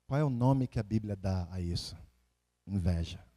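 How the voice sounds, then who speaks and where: A man Salvador, preaching conversationally in an animated storytelling way, with rhetorical questions and repeated phrases for emphasis. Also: fairly low pitch, normal speed. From Salvador, Bahia, Brazil. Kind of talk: conversational sermon with personal anecdotes and scripture readings.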